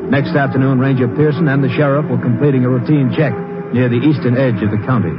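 An actor as the formal, measured narrator of a 1950s radio crime drama. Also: male voice, mid-range voice, steady tone, very noisy, natural voice. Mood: solemn, formal. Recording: muffled 1950s radio recording.

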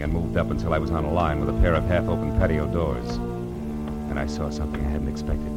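An actor playing a tough, terse American private eye in a 1940s radio drama, clipped, commanding and slangy. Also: male voice, rumbling low. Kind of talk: 1940s radio detective drama acting and narration.

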